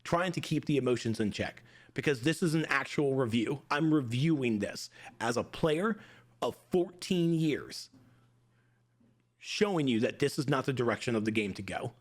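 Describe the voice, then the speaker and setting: A man's voice: mid-range voice, expressive, moderate pace. A man in his forties, a gaming streamer, giving a heated, emphatic opinion rant straight to his viewers. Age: 40s.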